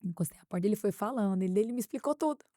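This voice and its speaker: A woman with a Brazilian accent, speaking as a guest expert in an interview and telling anecdotes in a lively way. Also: mid-range voice, very fast, no room sound, studio quality. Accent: Brazilian Portuguese. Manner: animated anecdote-telling, acts out quotes. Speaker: guest expert on workplace harassment. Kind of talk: conversational interview storytelling.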